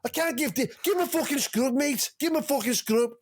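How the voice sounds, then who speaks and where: A foul-mouthed Liverpool kitchen manager, put on by a man, barking orders at his staff in a strained, high-pitched voice. He bullies everyone in earshot. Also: brisk.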